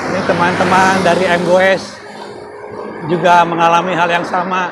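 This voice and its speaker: Speaking fairly quickly in a high, flat monotone, a man is heard with audible room echo and noticeable background noise. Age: 60s. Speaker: cycling vlogger. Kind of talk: casual vlog talk. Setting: outdoors with cycling group. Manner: halting, many fillers.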